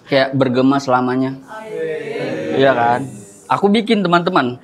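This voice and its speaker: A man's voice: mid-range voice, animated, normal speed. A young man doing stand-up comedy, chatting and often turning to the crowd.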